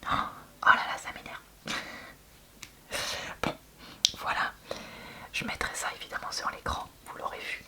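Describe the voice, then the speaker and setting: A woman whispering softly in a library whisper, chatting candidly in a conversational ASMR book-review style. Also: a little slow, pauses often. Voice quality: soft, breathy unvoiced library whisper. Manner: hushed, conversational, candid opinions.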